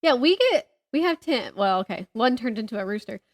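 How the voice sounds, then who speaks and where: A young adult woman talks in a fairly high voice. The recording is dry, with little room sound, and she keeps the loose, conversational style of a podcast co-host. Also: big pitch swings, fairly quick, no room sound. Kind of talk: casual chat.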